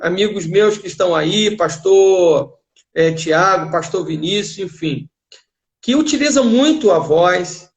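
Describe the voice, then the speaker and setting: A middle-aged pastor hosting a church live stream over a video call, affirming and repeating back points. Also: male voice, high voice, animated, unhurried.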